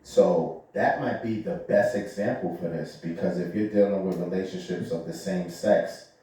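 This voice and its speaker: A man's voice: deep voice, fairly even intonation, moderate pace, warm tone. A man in his forties co-hosting a casual podcast chat, opinionated and joking, asking probing questions. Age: 40s. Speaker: podcast co-host. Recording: very echoey room, far from the mic.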